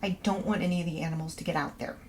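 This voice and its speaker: An actress delivers a polite, quirky woman professor's house-sitting instructions as a scripted letter in a fiction podcast promo, matter-of-fact and reassuring. Her lowish, darkish voice is steady, rapid-fire and close to everyday speech. Faint ambience and background noise are present.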